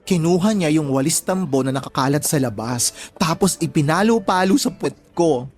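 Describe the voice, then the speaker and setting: A man's voice: a little high, expressive, normal speed, slightly rough. A man with a Filipino accent playing a campy, sassy young gay man in an audio drama, talking in theatrical casual slang. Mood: dramatic, sassy. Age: young adult.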